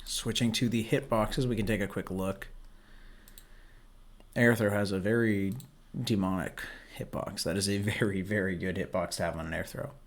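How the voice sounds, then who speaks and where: Hoarse low-voiced man coaching. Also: normal speed. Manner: relaxed, explanatory, coaching tone. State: hoarse, voice worn from yelling. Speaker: host. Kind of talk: casual commentary over gameplay footage.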